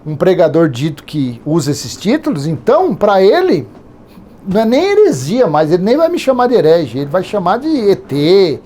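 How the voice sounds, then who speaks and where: A man's voice: high-pitched, huge pitch swings, normal speed, warm tone, slight background noise. Rambling Brazilian man in his fifties. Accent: Brazilian Portuguese. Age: 50s. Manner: rambling, conversational, with digressions and repetitions. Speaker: Bible teacher. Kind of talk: informal Bible study teaching.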